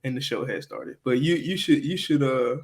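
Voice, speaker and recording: A man in his twenties with a Mississippi accent, co-hosting a podcast, playful and excitable in casual chat with his sister. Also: mid-range voice, moderate pace, slightly rough. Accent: Southern US, Mississippi. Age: 20s. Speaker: podcast co-host.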